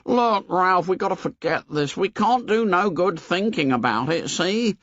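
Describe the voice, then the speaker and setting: A man putting on a shrill anxious schoolboy. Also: expressive, unhurried, fairly bright tone, dull audio. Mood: agitated. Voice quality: shrill, pleading. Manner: ungrammatical rustic boy's speech. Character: shrill anxious plump schoolboy, nearsighted and stubborn.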